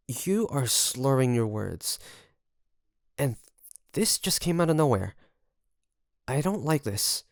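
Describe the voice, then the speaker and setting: A man playing a secretly obsessive best friend in an intimate audio roleplay, coaxing and hesitant, with sighs and pauses. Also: medium pitch, vocal fry, dry recording, studio quality, heavily acted. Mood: feigned worry.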